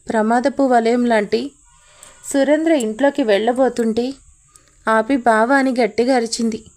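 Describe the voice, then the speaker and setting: A woman's voice: fairly high pitch, darkish tone. A woman narrating a dramatic audio story as a storyteller.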